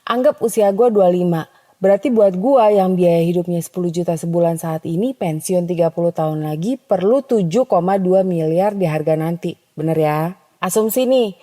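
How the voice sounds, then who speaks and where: Lady doing a teasing chatty podcast bit, lowish mellow voice, long reverb tail. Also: normal speed. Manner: chatty, teasing, mixes in English slang. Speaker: podcast host. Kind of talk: scripted podcast monologue.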